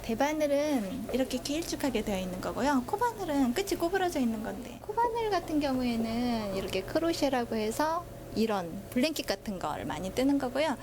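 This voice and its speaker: A woman's voice: sits high, sing-song, fairly quick, hardly any pauses, background noise. A woman knitting instructor patiently explaining to a reporter.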